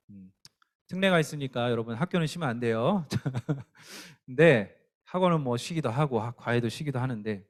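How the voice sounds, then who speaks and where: A man preaching a youth sermon, earnest and emphatic, often asking the listeners questions. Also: on the high side. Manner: earnest, emphatic, speaking directly to teens with questions. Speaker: youth pastor.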